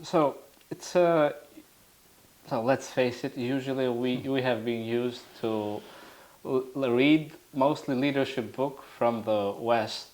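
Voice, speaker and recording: Halting Albanian-accented male interviewer. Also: mid-range voice, darkish tone. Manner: halting, searching for words. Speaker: interviewer, host. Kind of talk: interview questions.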